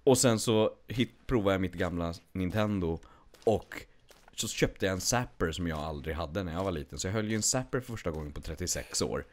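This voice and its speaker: A man in his forties chatting casually while gaming, telling stories and acting out the voices of people he quotes. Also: low voice. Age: 40s. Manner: animated storyteller who acts out quoted voices. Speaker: streamer playing a hunting game.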